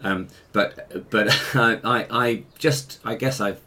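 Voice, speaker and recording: A man's voice: on the low side, takes it slowly, bright, forceful tone. A man in his fifties with an English RP accent, telling personal stories conversationally in a hesitant, self-correcting way. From Africa and Ireland, later England. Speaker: interview guest, musician and choir director.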